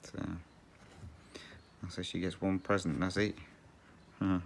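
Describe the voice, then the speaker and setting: A man's voice: sits low, level tone, measured pace, slight background noise. A man hosting a cross-stitch channel, chatting casually and rambling while he stitches, often laughing.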